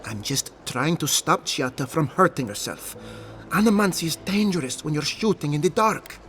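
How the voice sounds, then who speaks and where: A man's voice: a little high, animated, normal speed, a bit bright, soft background music. A man playing an officious, cautious governor in a fantasy video game, formal and condescending. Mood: stern, concerned. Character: officious, cautious male governor, haughty but protective. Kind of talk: video game character acting.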